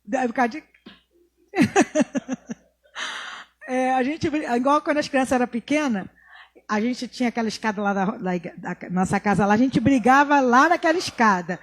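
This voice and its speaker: A middle-aged Brazilian woman pastor giving a conversational sermon, with asides and deliberate pauses. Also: a little high. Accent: Brazilian Portuguese.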